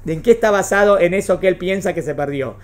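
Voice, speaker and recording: A woman with a Rioplatense Spanish accent teaches a religious studies class, often checking whether her students have understood. Her voice is fairly low and a little mellow, and she talks fast.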